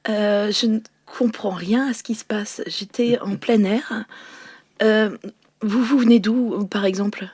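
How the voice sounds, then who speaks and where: A woman playing a polite, earnest new-age yoga devotee, flustered and halting as she talks herself calm in an improvised role-play. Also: mid-range voice, husky, dry recording. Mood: bewildered. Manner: halting, breathing through her emotions, therapy-speak.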